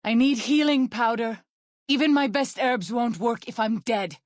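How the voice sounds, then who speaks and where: A woman playing an earnest, protective tribal healer in a video game, speaking in formal, measured wording. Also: a little high, no room sound, studio quality, lightly acted. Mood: urgent, pleading. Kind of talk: video game character voice lines.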